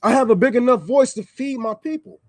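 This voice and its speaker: A man's voice: very high-pitched, fairly quick, darkish tone, dry recording. A man on a livestream, ranting heatedly and with profanity, repeating lines for emphasis. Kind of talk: livestream rant. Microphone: microphone.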